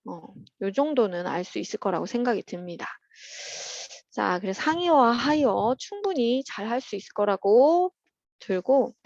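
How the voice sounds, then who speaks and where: Lively woman teacher, dry lo-fi sound. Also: mid-range voice, gravelly, dry recording. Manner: patient and chatty, opens steps with "자" and fills pauses with "어". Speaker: teacher at a private academy. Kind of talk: explaining workbook answers to children.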